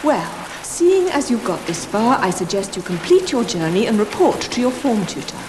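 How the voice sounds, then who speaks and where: High-voiced stern British teacher, very echoey. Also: female voice, sing-song, normal speed. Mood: stern exasperation. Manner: strict, clipped, scolding. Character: stern, exasperated female schoolteacher demanding respect. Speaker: actor in a school drama series. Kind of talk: television drama acting. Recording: echoey hard space with rain noise.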